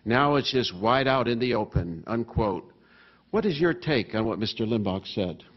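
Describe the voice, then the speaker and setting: A man's voice: medium pitch, lively intonation, moderate pace. A man acting as questioner, reading questions aloud to a guest. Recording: dull sound with faint noise.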